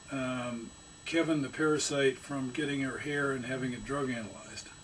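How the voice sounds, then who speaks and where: With audible room echo and noticeable background noise, a man talks at a moderate pace. His medium-pitched voice has a monotone, flat intonation. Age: 60s. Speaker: author and therapist, anthropologist. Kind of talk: radio interview, then monologue.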